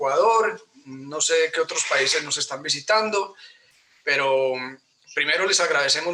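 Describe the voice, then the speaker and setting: A man with an Antioquian accent speaks in a high voice. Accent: Colombian paisa Spanish. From Colombia, Antioquia (Medellín). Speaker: real estate and mortgage businessman. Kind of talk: webinar presentation.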